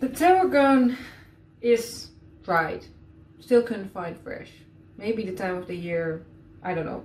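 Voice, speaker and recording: A woman at a fairly slow pace, with big swings in loudness and audible room echo. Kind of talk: casual cooking vlog chat. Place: kitchen. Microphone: camera far.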